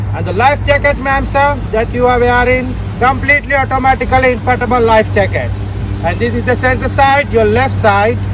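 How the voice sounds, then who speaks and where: Noticeable background noise sits behind a dry sound with no echo. A man talks at a moderate pace. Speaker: boat tour guide. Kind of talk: safety briefing to passengers. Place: boat.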